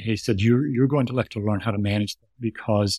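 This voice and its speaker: A man with an American accent and a normal speaking voice, medium pitch and fairly even intonation. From Texas, Houston suburb. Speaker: author. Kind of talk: interview. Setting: remote call.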